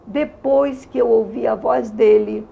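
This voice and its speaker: A Carioca woman in her sixties from Rio de Janeiro gives an emotional, heartfelt religious testimony in an interview. Her voice is a little high with vocal fry, her intonation fairly even and her pace measured. The audio is narrow and tinny, with a little hiss or hum.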